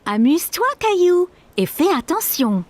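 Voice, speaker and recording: A woman voicing a caring mother in a cartoon, gentle and explaining. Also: very high voice, big pitch swings, unhurried, exaggerated voice. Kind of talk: cartoon dubbing.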